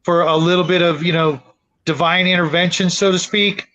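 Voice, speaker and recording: A man hosting a casual panel discussion about tabletop gaming, talking in a halting, rambling way and repeating words as he goes. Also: high voice, steady tone, a bit bright, dull audio.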